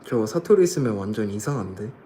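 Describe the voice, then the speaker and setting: A man's voice: on the low side, animated, a little fast, dark tone, slight background noise. Young man chatting casually on a livestream. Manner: chatty, laughs often, answers chat. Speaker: idol livestreaming to fans. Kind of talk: casual live chat reading comments.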